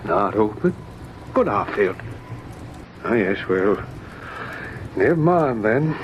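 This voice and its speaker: A weary, slow-talking invalid gentleman. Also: fairly low pitch, very animated, lo-fi sound. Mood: irritable. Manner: measured, formal, theatrical delivery. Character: weary, irritable invalid rich gentleman, bitter and brooding. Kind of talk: old-time radio drama acting. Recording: noisy old-time radio recording.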